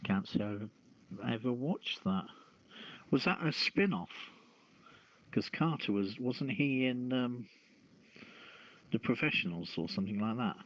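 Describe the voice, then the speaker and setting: Podcast news host: male, measured and halting, casual commentary, dry low-fidelity streamed sound. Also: animated, fairly bright tone, dry recording. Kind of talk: casual news commentary mixing reading and chat. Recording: dull, lo-fi streamed audio.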